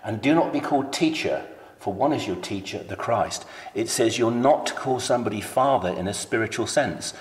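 A man's voice: on the low side, lively intonation, normal speed, echoey room, big-room sound. A man phoning a church and questioning its beliefs, earnest and quoting scripture at length. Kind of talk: recorded phone call debate.

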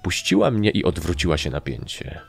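A man with a very deep voice reads a fantasy story in the first person, with lively rise and fall. Soft music plays behind him. His reading is expressive and even-paced. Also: brisk, creaky. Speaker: audiobook narrator.

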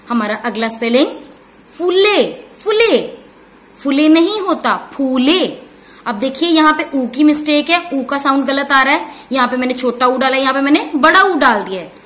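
A woman teaching young children, who explains slowly, asks questions and repeats and stresses key words. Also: high voice, expressive, fairly bright tone. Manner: calls the pupils 'beta' and asks questions before answering them. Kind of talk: online lesson for young children. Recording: echoey room.

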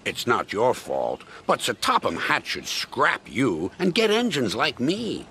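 A man's voice: medium pitch, huge pitch swings, measured pace, pushed and bright, a little hiss or hum, full character voice. A man voicing a smug, boastful male diesel engine in a storybook tale, with a sneering, scornful manner.

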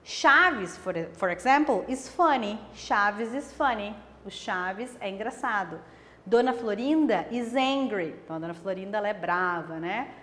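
A woman teacher from Brazil giving an online lesson, explaining patiently and slowing down for example phrases. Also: mid-range voice, lively intonation, fairly bright tone, in a large hall, a little hiss or hum. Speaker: language teacher.

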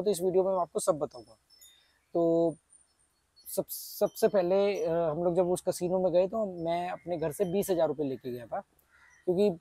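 A man's voice: on the high side, mellow, no room sound. Chatty man with a sore throat. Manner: chatty, explains step by step with many fillers. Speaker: travel vlogger. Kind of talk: casual vlog talk to camera. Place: outdoor garden patio. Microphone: small clip-on mic on shirt.

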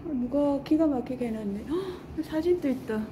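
A woman's voice: high-pitched, moderate pace, noisy background. A middle-aged woman from Busan with a Gyeongsang accent, chatting on a travel vlog and exclaiming at what she finds in an indoor lounge. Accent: Gyeongsang Korean. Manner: chatty, easily delighted, exclaiming. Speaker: vlogger. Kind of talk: casual travel vlog chat. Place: indoor walking-trail lounge.

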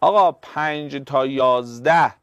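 A physics teacher, a man, explains exam problems one step at a time and speaks directly to his students. His voice is smooth and resonant. The sound is dry and close, with no room echo. His pitch sits in an ordinary middle range. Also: a bit bright, lo-fi sound.

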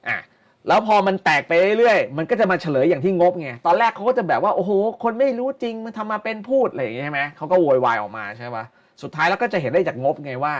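A middle-aged man giving casual live stock market commentary, blunt and slangy, repeating phrases for emphasis. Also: fairly high pitch.

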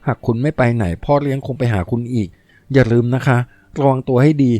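A man's voice: mid-range voice, fairly even intonation, a little fast, warm tone, no echo, natural voice. A man voicing a polite young woman who warns someone of danger over the phone. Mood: urgent warning. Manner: polite and earnest.

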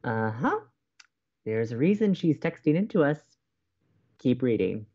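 A man's voice: mid-range voice, sing-song, a little slow, dark tone, husky, muffled recording, full character voice. A man playing an earnest, hesitant young college radio co-host with a romantic streak in an audio drama. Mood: skeptical. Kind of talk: naturalistic audio drama dialogue.

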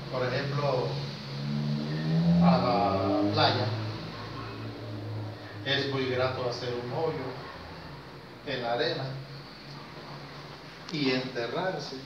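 Older man, slow lecturing delivery, pauses between short phrases, heavy room echo, very noisy recording. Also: mid-range voice, far from the mic. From Costa Rica. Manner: unhurried, pausing between short phrases, questioning listeners. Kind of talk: informal spiritual lecture to a small class. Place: small indoor classroom with whiteboard. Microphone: handheld camera a few metres away. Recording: very echoey, noisy, muffled room recording from afar.

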